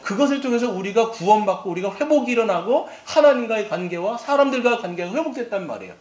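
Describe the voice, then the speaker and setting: A middle-aged male pastor preaching a sermon in an animated way, acting out quoted lines and asking the congregation questions. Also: high voice, fast talker. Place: church sanctuary. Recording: echoey church hall.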